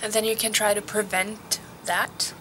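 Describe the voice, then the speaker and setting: A teenage girl from Norway, giving casual advice in a vlog recorded outdoors. She talks softly and hesitantly, sometimes dropping to a whisper. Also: mid-range voice, flat delivery, unhurried, noisy background. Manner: soft, hesitant, drops to a whisper at times. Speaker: vlogger.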